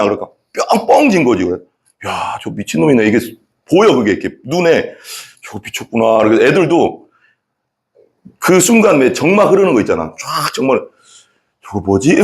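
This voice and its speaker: At a medium pitch, a male pastor preaches, recounting his own testimony with animated storytelling. Along the way, he impersonates the various people in the story.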